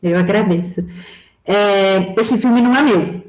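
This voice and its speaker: A woman's voice: mid-range voice, a little slow, darkish tone, roomy sound, poor audio. A woman guest speaking modestly and hesitantly. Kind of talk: casual chat.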